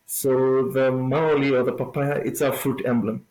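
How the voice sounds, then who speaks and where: A man from Fiji with a Fijian accent, answering in a conversational interview in a halting, thoughtful way with frequent pauses. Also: medium pitch, flat delivery, darkish tone. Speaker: interview guest, plant-based food business owner. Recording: roomy, echoing sound.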